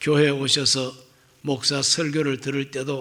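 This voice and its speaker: The man in this clip talks at a fairly slow pace. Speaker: pastor. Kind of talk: sermon.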